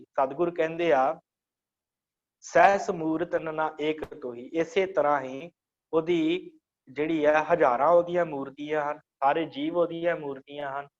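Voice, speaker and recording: A man teaching an online scripture class, reciting verse lines slowly and then patiently explaining each word. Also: on the high side, muffled recording.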